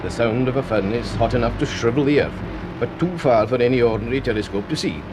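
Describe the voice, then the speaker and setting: An actor playing a homely, white-haired Scottish scientist in a radio drama, with a hearty, chatty, explanatory manner and a Scottish accent. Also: male voice, medium pitch, fast talker, noisy background, natural voice. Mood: proudly explaining. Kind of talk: BBC radio drama acting.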